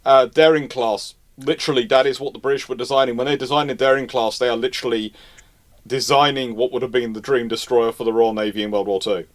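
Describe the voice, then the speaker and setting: A man's voice: medium pitch, fairly even intonation, fast. A man hosting a casual live history question-and-answer session, speaking emphatically and repeating phrases for stress. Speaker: host answering viewer questions.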